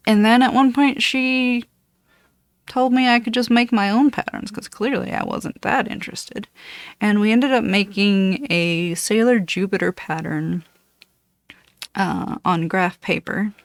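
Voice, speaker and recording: A woman in her late thirties, originally from Costa Rica with Spanish as her first language, chatting casually and rambling as she introduces her channel from a dark room at home. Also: mid-range voice, slow pace, long pauses, dry recording, clean studio sound. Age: 30s. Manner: meandering, self-correcting, chatty. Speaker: cross-stitch vlogger.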